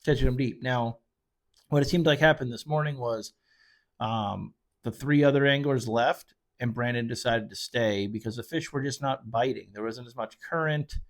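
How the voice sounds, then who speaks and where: A fishing charter guide hosts a show, talking solo into a desk microphone. His medium-pitched voice runs at normal speed. He rambles conversationally, full of fillers, and keeps correcting himself.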